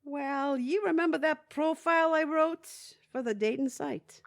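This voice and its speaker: An actress playing an older Jewish widow in an audio comedy, nervous and romantic, with a folksy, wisecracking, Yiddish-peppered way of talking. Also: female voice, high voice, unhurried. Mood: sheepish, defensive. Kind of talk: audio theatre comedy acting.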